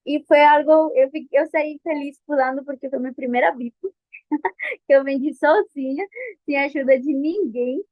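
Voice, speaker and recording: Young woman, high voice, candid lively storyteller, dry dull lo-fi sound; interviewee sharing testimony. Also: moderate pace, no room sound. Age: young adult. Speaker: interviewee, book colporteur. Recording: dull lo-fi recording.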